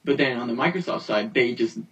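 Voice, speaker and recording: A man's voice: mid-range voice, animated, fairly quick, fairly bright tone, breathy edge, recorded from a distance. Man's voice replayed through a speaker. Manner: hesitant, many fillers. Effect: remote call voice replayed through a speaker and picked up by a phone. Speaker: podcast co-host. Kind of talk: casual podcast chat. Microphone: phone held up to a speaker.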